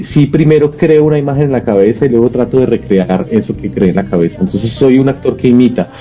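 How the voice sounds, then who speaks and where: Dark-voiced actor, hesitant and reflective. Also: male voice, fairly low pitch, dull audio. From Colombia. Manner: reflective, with frequent hesitant fillers. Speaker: actor, interview guest. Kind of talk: casual conversational interview answers.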